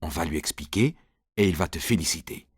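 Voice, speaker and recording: A man voicing a patient mother in a storybook reading, speaking in a gentle, soothing way. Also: deep voice, a little fast, slightly rough, no room sound, studio quality, voice pushed down. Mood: calm.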